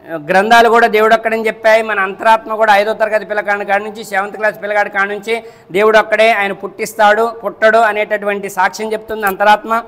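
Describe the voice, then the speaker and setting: A man's voice: sits high, a bit bright. A man giving a Friday sermon as a preacher, asking rhetorical questions, checking that his listeners follow, repeating and counting off his points. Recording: long echo of a large hall.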